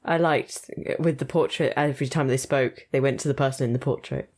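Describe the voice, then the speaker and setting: A young woman giving casual, chatty reaction commentary while watching an episode, thinking aloud in quick asides. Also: a bass voice, fairly even intonation, darkish tone. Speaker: reaction video host.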